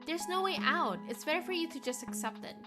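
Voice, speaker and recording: A woman's voice: very high-pitched, expressive, a little fast, music in the background, pitched above the performer's own voice. A woman voicing a weary, resigned girl from a gothic mansion in a visual novel, speaking curtly.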